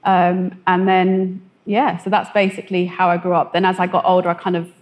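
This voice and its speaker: A woman's voice: lowish voice, brisk. Hesitant woman telling her story. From West London. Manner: hesitant, filler-heavy, animated when quoting others. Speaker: testimony guest. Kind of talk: conversational testimony.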